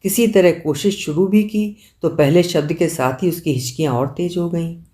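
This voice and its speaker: Brief: female storyteller, warm mellow tone, expressive literary reading. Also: sits low. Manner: expressive storytelling, acting out dialogue. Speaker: story reader. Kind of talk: scripted literary narration.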